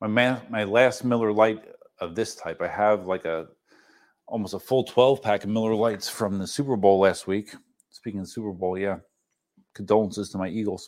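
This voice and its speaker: A man with a fairly low pitch and fairly even intonation is heard in a very clean recording with a silent background. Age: 50s. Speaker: electric unicycle vlogger and livestream host. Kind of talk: casual livestream chat reading viewer comments. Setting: home livestream with wireless mic. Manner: halting, many repetitions and fillers.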